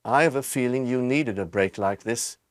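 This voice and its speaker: A man's voice: medium pitch, moderate pace, no echo, studio quality, lightly acted. A man doing a stout, kindly shopkeeper. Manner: bossy then gentle.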